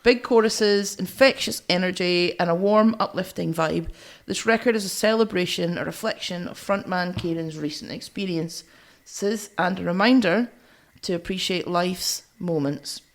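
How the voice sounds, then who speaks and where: A woman's voice: fairly low pitch, moderate pace. Woman podcast co-host, blunt and teasing. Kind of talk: music review chat.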